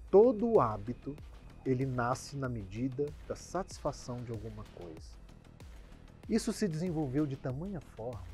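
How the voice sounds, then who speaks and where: A Brazilian man, a doctor, explaining habits in an emphatic talk that swings from loud bursts to quiet endings. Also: a little high. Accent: Brazilian Portuguese.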